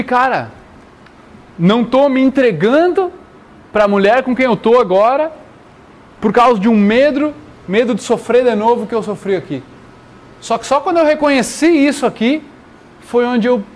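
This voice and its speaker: A man speaking casually and earnestly, giving slangy personal advice directly to listeners. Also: extremely high pitch. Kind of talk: casual motivational talk.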